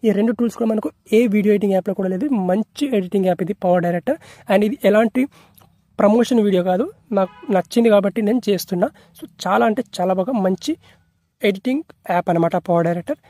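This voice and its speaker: A man's voice: high-pitched, fast talker, warm tone, dry recording. A man narrating an app tutorial in a repetitive, instructional way, mixing in English tech terms.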